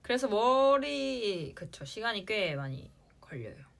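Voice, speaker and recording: Lively young woman chatting on a livestream. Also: mid-range voice, slow, vocal fry. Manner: chatty, playful sound words, trails off at line ends. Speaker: idol livestream host. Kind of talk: casual livestream chat answering fans.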